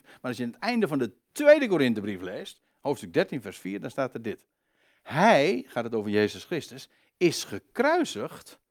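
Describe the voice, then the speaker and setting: Emphatic preacher, lively rising voice. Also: male voice. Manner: emphatic, swinging from loud high stresses to quiet low asides; halting, with many fillers and restarts. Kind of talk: sermon.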